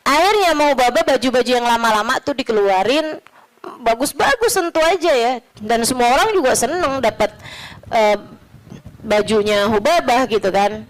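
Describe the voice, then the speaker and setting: A woman's voice: fairly high pitch, low-quality recording. A woman preacher giving a chatty, teasing religious talk, often turning to her listeners as friends.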